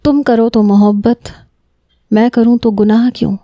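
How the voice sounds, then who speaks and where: A woman voicing a young man, a stern cousin in love, who lectures firmly and then pleads softly in a narrated romance story. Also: a little high, flat delivery, no echo, dull audio, lightly acted. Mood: earnest.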